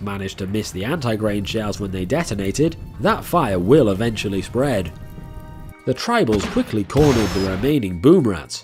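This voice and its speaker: A man with a fairly low pitch talks while music is heard in the background. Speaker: gaming video narrator. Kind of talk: scripted gameplay narration.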